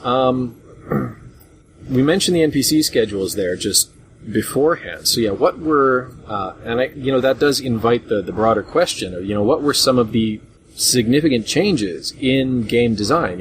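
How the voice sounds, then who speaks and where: A man with a fairly low voice moderates a casual panel chat. He rambles with dry good humor, over a faint furnace hum. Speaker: podcast host and moderator. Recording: hobby podcast with furnace hum. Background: noisy furnace hum.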